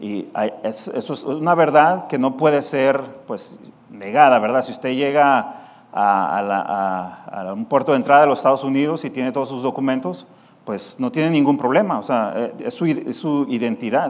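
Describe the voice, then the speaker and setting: Lively intonation marks this man's medium-pitched voice at a moderate pace. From Mexico. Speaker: preacher. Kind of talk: sermon. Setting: church. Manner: halting, many fillers. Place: church. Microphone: lapel.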